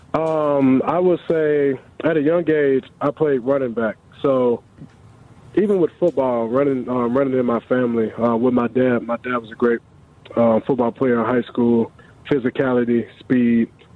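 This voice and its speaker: This man has a normal speaking voice, medium pitch, ordinary pitch variation and a moderate pace. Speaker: professional football player. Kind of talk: radio interview.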